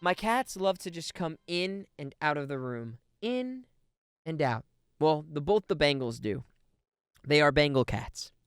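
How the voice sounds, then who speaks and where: A man's voice: fairly high pitch, sing-song, a little slow, smooth. A man live streaming a video game, chatty and informal, sometimes stumbling as he reads aloud, with game music behind.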